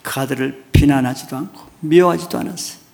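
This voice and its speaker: A man's voice: mid-range voice, fast, gravelly, darkish tone. A man preaching a sermon, retelling a parable and asking his listeners questions as he goes. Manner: storytelling, asks the listeners questions. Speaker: pastor.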